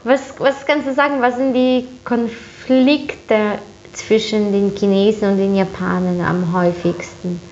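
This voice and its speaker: A woman's voice: mid-range voice, fairly even intonation, unhurried, darkish tone. A woman interviewing a guest in a conversational way. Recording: dull sound with faint humming noise.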